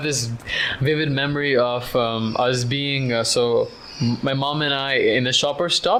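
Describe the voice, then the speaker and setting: Through audible room echo and noticeable background noise, a man with a fairly high voice talks at a moderate pace with fairly even intonation. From India, Mumbai, partly raised abroad. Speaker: person who stammers, interviewee. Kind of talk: casual interview. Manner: stammering, repetitions; halting, many fillers.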